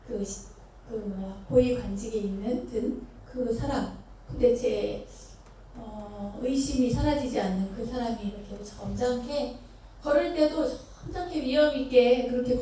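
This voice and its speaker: A Buddhist nun from Chungcheong tells a story to her temple congregation in a fairly high, mellow voice. She keeps asking the listeners questions. She was recorded from across a very echoey hall, with faint noise underneath. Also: recorded from a distance. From Chungcheong Province, Korea. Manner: lively storytelling, asks the audience questions. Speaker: Buddhist nun giving a dharma talk. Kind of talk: storytelling sermon. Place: temple dharma hall with an audience.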